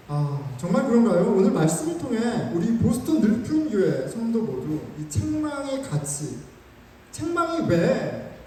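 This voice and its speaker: A man preaching a sermon as pastor, telling a story in an animated, self-mocking way, recorded in a church sanctuary with the mic some distance away. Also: high voice, a little hiss or hum. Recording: echoey hall, mic far off.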